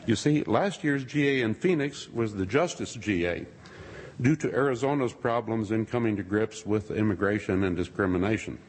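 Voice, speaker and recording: A man giving a sermon-style talk to a congregation, with dry, wry asides and a husky voice. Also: fairly low pitch, moderate pace. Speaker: speaker addressing a congregation. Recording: long reverb of a large hall.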